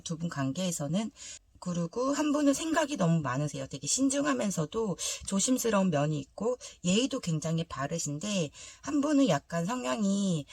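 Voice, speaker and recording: A woman hosting a tarot reading, hoarse from a throat cold, speaking politely and conversationally as she explains to viewers. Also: on the low side, a little mellow, no room sound. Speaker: tarot reader, channel host.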